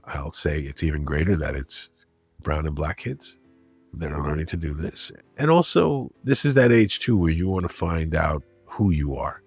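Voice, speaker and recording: A man's voice: rumbling low, lively intonation, normal speed, breathy edge, dry recording, soft background music. A middle-aged or older man speaking as an interview guest, conversational and anecdotal. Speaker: interview guest, critic and broadcaster.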